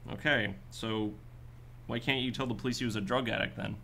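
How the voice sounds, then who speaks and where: A man's voice: fairly low pitch, fairly even intonation, a little fast, gravelly, sharp tone, a little hiss or hum. A man playing a skeptical, businesslike detective in a radio drama, asking clipped, matter-of-fact questions. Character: hard-boiled male detective, probing, skeptical, businesslike.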